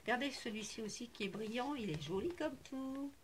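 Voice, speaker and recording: Chatty high-voiced woman showing her craft haul. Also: lively intonation, fairly quick, heavy background noise. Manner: chatty, hesitant with many fillers, gushing and repetitive. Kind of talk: casual chat to camera.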